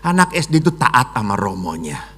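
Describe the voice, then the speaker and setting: A middle-aged man, a Catholic priest, giving a lively sermon and acting out quoted voices. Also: lowish voice, normal speed, slightly rough. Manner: animated, acts out quoted voices with shouts and laughs.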